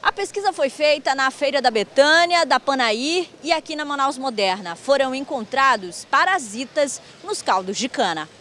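A woman reporter narrating a news feature in lively, scripted delivery. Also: high voice, moderate pace, hardly any pauses, slight background noise. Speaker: field reporter.

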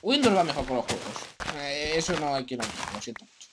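A young man from chats in a loose, rambling way as he plays at home, his voice slightly hoarse from a sore throat. He keeps clearing his throat, and the desk mic recording sits over a loud, steady background hiss. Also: on the high side, quick pace. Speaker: gaming YouTuber. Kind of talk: casual gameplay commentary.

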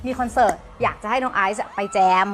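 A woman's voice: a little high, fairly quick, fairly bright tone, a little hiss or hum. A woman hosting an entertainment news show, reading stories in a polite newsreader manner.

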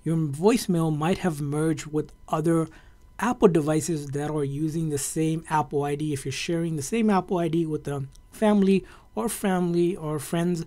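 A tech tutorial host with a soft-edged, mellow voice at a medium pitch. The delivery is casual and conversational, explaining things informally and circling back over points. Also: steady tone, moderate pace.

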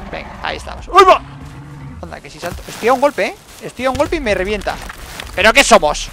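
A man commentates gameplay with a high, gravelly voice, swinging widely between low mutters and excited calls. He repeats words in rapid bursts and talks to himself, over faint game noise. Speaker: gaming YouTuber.

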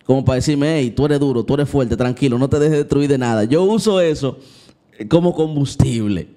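A man's voice: mid-range voice, normal speed, mellow. A young man tells a personal story in a vlog. He speaks candidly and confessionally, talking straight to his viewers and acting out the moments he describes. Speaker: Christian vlogger.

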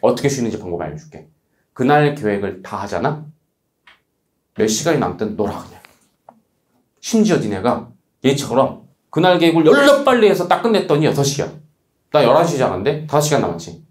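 A man lecturing students as a study coach. He talks bluntly and casually, teasing them with quick rhetorical questions. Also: medium pitch, big pitch swings, reverberant.

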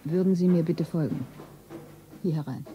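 An actress playing a formal, subdued nurse in white in a stylized radio drama. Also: female voice, deep voice, normal speed, highs cut off, slight background noise, close to an everyday voice. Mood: detached. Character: hushed, silent-moving nurse in white.

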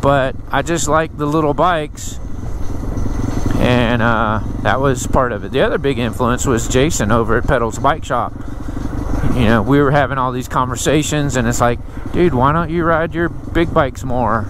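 A middle-aged man talks easily as he rides, drifting from one thought to the next with lots of fillers. His voice sits in an ordinary middle register. Engine drone and wind noise run clearly under every word from the helmet mic. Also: mid-range voice, normal speed. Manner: rambling, easygoing, full of fillers. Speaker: motorcycle vlogger. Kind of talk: casual ride-along narration. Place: outdoors riding a motorcycle on dirt trails. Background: motorcycle engine and wind noise.

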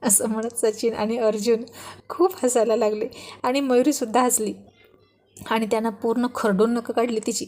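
A woman narrating a romance storybook in a lively, chatty way. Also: on the high side, moderate pace. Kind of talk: storybook reading.

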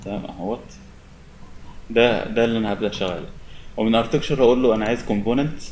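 A young man with an Egyptian Arabic accent giving a relaxed, step-by-step software tutorial at his desk. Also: fairly low pitch, rapid-fire, slight background noise. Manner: relaxed, step-by-step explaining with many fillers. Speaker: software instructor. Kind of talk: screen-recorded software tutorial.

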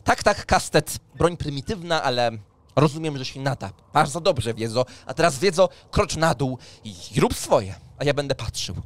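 A man's voice: fairly high pitch, lively intonation, normal speed, natural voice. A man voicing a condescending, commanding elf mage in a tabletop game, pompous and imperious. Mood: commanding, smug.

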